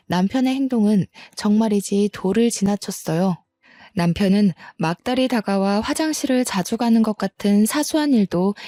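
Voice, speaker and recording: A woman narrating a first-person story in a calm, measured way. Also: medium pitch, no room sound.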